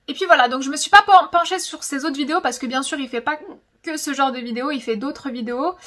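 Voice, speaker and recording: A fairly bright, high-sitting voice belongs to a young YouTube host, a francophone woman of Algerian descent. She chats casually through a storytelling vlog with dramatic emphasis, frequently repeating words to drive a point home.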